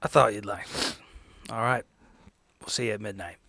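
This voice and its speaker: A man playing a tabletop roleplaying game, improvising persuasive speeches in a casual, halting way. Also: fairly low pitch, vocal fry, bright, forceful tone, dry recording. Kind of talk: improvised in-character negotiation and table talk.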